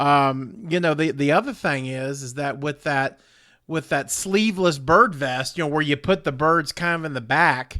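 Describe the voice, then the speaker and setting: Speaking at a moderate pace, a man with a Texan accent has a bright, sharp tone. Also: fairly high pitch for a man, ordinary pitch variation, very clean recording, silent background. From South Texas. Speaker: podcast host. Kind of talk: podcast interview. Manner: animated, filler-heavy.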